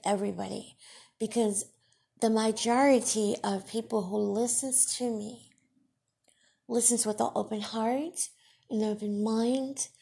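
Slow, gravelly-voiced woman podcast host. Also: on the high side, warm tone. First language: Farsi. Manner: deliberate, emphatic, scolding. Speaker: podcast host and radio broadcaster. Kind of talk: solo podcast monologue.

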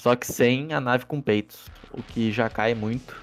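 Sarcastic Brazilian podcast host. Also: male voice, mid-range voice, measured pace. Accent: Brazilian Portuguese. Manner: sarcastic, profane, rambling with restarts. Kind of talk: casual podcast movie review. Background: faint background music.

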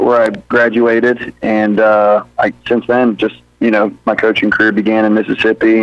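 A man in his thirties, a high school football head coach from Birmingham, talking through an interview in an easygoing, rambling way with lots of fillers and restarts. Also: no room sound. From Birmingham, Alabama. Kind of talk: interview on a sports radio show. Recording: dull lo-fi radio audio.

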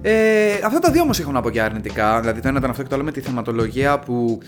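A man's voice: mid-range voice, very animated. A young man co-hosting a casual talk show, hesitant and full of fillers, swearing casually. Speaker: podcast co-host. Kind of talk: casual chat about rap music. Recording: faint music playing behind the voices.

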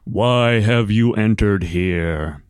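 An unearthly flaming skull guardian, played by a man at a game table, stern and challenging. The delivery is slow and commanding, in a low, dry-sounding voice made for a fantasy game. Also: clear, resonant tone, no room sound.

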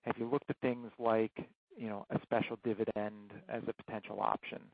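A man working as a financial analyst, asking questions haltingly on an earnings call over the phone. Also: on the low side, little pitch movement, gravelly, dry recording. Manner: halting, hedging, piecing questions together. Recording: thin, band-limited phone line, dry.

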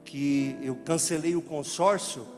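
A man with a Brazilian Portuguese accent preaching a sermon as a joking, animated story, acting out the dialogue as he goes. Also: on the high side, takes it slowly. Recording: reverberant hall with music behind.

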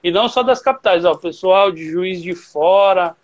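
This is a man with a fairly high voice hosting a casual live stream. He is chatty and warm, laughs often and pads his talk with fillers. The stream audio sounds dull and lo-fi. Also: normal speed. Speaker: host of a travel-trade live stream.

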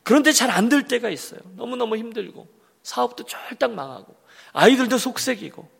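Male pastor, gravelly high voice, emphatic sermon delivery, hall reverb. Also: lively intonation, a little fast, a bit bright. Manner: emphatic, repetitive preaching with rhetorical questions to the congregation. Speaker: senior pastor.

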